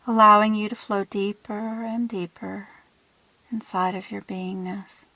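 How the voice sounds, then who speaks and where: A woman leads a guided meditation at a very unhurried pace. Her delivery is soothing and hushed, with phrases that trail off into breath. The recording is dry and close, with little room sound. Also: mid-range voice, fairly even intonation, dry recording, poor audio.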